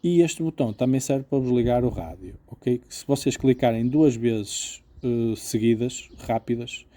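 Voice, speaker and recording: A man with a European Portuguese accent talks through a product demonstration in an informal, explanatory way. His voice is very mellow and dark, sitting at an average male pitch. He sounds like an everyday reviewer checking that the listener follows. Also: normal speed. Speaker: motorcycle gear reviewer.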